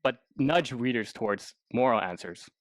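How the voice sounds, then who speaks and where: A man co-hosting a podcast in casual literary discussion, restarting haltingly as he forms his ideas. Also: mid-range voice, lively intonation, no echo. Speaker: podcast co-host and interviewer.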